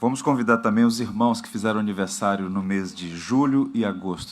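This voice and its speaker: Heard with audible room echo, a man in a Brazilian accent speaks at a medium pitch. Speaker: pastor. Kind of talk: church announcements. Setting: church service.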